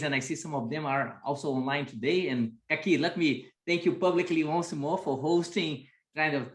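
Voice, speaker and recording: A man's voice: fairly high pitch, roomy sound. A man with a Brazilian accent hosting a business school webinar, talking conversationally with frequent "right?" tags. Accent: Brazilian Portuguese. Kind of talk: webinar presentation.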